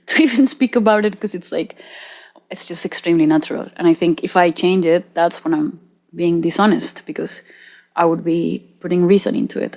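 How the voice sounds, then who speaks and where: A woman's voice: lowish voice, darkish tone, dull audio. Chatty Colombian-born woman musician. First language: Spanish. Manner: chatty, laughing easily. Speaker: musician guest. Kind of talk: casual interview talk.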